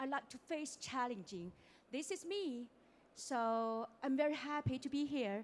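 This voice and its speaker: In a Chinese accent, a woman speaks at a fairly slow pace with a high pitch and lively intonation. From China. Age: middle-aged. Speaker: tech start-up founder and CEO. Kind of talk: panel presentation.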